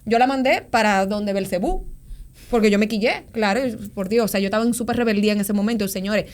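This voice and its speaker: A woman, a podcast guest telling her faith story in a slangy, lively way with many repeated words. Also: medium pitch, quick pace. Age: 40s. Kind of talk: personal faith testimony in casual chat.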